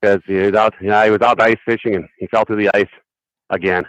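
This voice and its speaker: A man with a lowish voice chats as a guest before a radio show. He is relaxed and easygoing and laughs often. His recording sounds close and dry. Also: a little fast, no room sound, low-quality recording. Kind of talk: casual chat.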